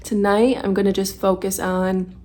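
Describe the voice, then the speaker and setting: A woman's voice: medium pitch, flat delivery, moderate pace, darkish tone. A woman vlogging candidly about her freediving course, sounding congested and thinking aloud as she reflects. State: congested, stuffy. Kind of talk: candid vlog to camera.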